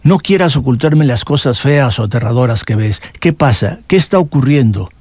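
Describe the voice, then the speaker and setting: A man's voice: medium pitch, expressive, normal speed, a little mellow, husky, no room sound. A man voicing a frightened elderly white-haired man whose voice trembles as he urgently pleads.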